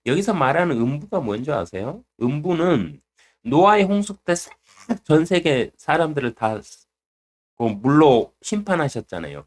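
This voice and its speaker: A man preaching through a Bible study with a voice that swings widely up and down. His tone is blunt and colloquial, with some coarse words slipped in, and he acts out arguments in quick back-and-forth exchanges. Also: fairly high pitch. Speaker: Bible teacher.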